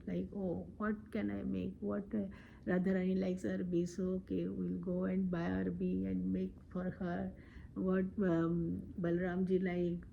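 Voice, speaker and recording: A woman's voice: mid-range voice, gravelly, dull audio, slight background noise. A woman giving a devotional scripture discourse, earnest, often asking "right?" and acting out quotes. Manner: earnest, lively quoting, frequent "right?". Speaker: devotional speaker.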